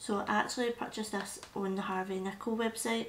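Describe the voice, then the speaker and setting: A woman with a Scottish accent, medium in pitch, at a moderate pace and fairly even intonation, amid noticeable background noise. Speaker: beauty vlogger. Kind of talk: makeup tutorial. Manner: quieter than usual.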